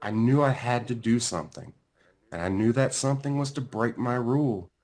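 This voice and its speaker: A man reading a children's storybook aloud as its author, with deliberate, dramatic emphasis. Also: medium pitch, a little mellow. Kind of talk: expressive children's storybook narration.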